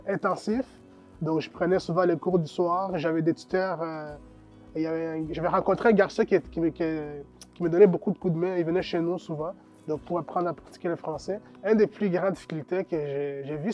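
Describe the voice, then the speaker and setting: A man's voice: a little high, darkish tone. A young man from Rwanda giving a thoughtful, hesitant documentary testimony at his secondary school. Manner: hesitant, thoughtful, many fillers. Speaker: interviewee.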